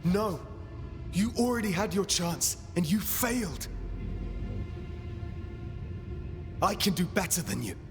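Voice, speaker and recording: A determined young warrior from an action game. His voice is a little high and very expressive, with an earnest urgency. Music plays clearly behind him. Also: normal speed. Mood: angry, defiant. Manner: urgent, emotional. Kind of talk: video game character acting.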